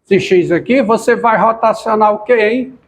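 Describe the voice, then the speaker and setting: A man with a notably high voice teaches a calculus lesson. He talks his way through the board work and keeps repeating his questions back to the class. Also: moderate pace. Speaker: math lecturer.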